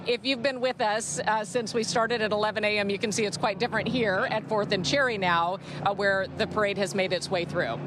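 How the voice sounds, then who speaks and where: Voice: mid-range voice, fairly even intonation, fairly quick, hardly any pauses, noisy background. A parade commentator anchoring live broadcast coverage outdoors in a city.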